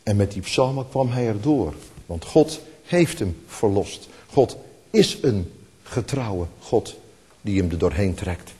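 A man preaching a sermon, moving between hushed, tender passages and rising, emphatic calls. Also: fairly low pitch, animated, slow pace, slightly rough. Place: church. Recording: long hall reverb.

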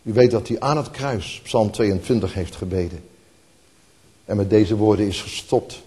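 A man preaching a sermon, moving between hushed, tender passages and rising, emphatic calls. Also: fairly low pitch, moderate pace, breathy edge. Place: church. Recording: long hall reverb.

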